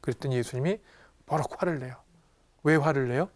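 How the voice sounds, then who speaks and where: A man, a Catholic priest, giving a lively retreat talk, acting out Gospel dialogue in different voices and quizzing his audience. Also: medium pitch, brisk. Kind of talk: lively spiritual lecture to an audience.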